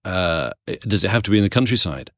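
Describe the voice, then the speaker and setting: A middle-aged English man, a voice actor, chatting casually as a podcast guest, thoughtful and quick to laugh. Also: low-pitched, lively intonation, no room sound, clean studio sound. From England. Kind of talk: casual interview chat. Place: podcast studio.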